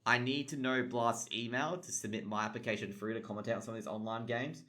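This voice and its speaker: A man's voice: mid-range voice, steady tone, fast, pushed and bright. A young Australian man, an esports caster, chatting casually about tournament news, rambling with lots of fillers and swearing. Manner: rambling, swears a lot, heavy filler words. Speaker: esports caster and streamer host.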